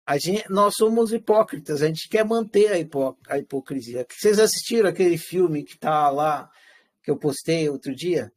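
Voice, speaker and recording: A man's voice: fairly high pitch, normal speed. A man teaching a live class, asking his students questions and acting out everyday lines in quotes. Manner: animated, switches into acted quotes of everyday speech; rhetorical questions answered himself.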